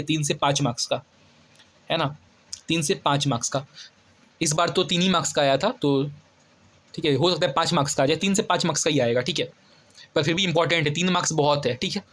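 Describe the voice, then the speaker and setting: A young man tutoring kids for an English olympiad exam in casual Hindi, reading English sentences out slowly and constantly checking that students follow along. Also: a little high, fairly bright tone. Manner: chatty, keeps checking students follow ("है ना", "ठीक है").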